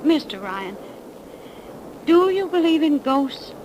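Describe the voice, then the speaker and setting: A woman's voice: high voice, sing-song, slow pace, exaggerated voice. An actress playing an anxious young woman who questions earnestly, in 1930s radio drama style. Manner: earnest, questioning, stammers when worried. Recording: noisy 1930s radio recording.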